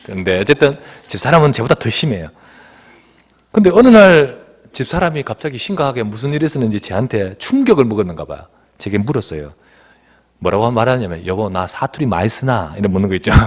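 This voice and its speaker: A man with a medium pitch talks at a fairly quick pace, his pitch swinging very widely, with long, frequent pauses. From South Korea, Daegu. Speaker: pastor. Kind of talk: sermon. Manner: animated.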